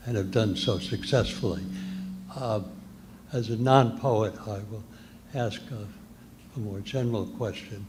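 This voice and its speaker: Man, audience questioner, lowish voice, slow, measured wording. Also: a little mellow, a little hiss or hum. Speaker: audience member asking a question.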